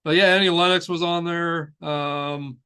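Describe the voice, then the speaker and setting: A man hosting a music news show, speaking in a casual, off-the-cuff way with halting, rambling delivery and repeated phrases. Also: on the high side, steady tone, sharp tone, clean tone. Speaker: host of a heavy metal news show.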